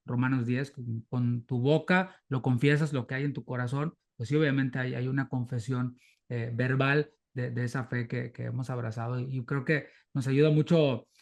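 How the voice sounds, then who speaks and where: A man with a Mexican Spanish accent interviewing a guest, speaking reflectively with halting false starts and repeated words. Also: medium pitch, fairly even intonation, vocal fry. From southern Mexico. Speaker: church interviewer.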